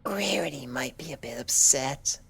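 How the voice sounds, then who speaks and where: A man voicing an injured, gentle female pegasus pony who pleads desperately in a horror story reading. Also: medium pitch, lively intonation, moderate pace, vocal fry, slightly rough, voice pushed up, exaggerated voice. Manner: pleading, distressed.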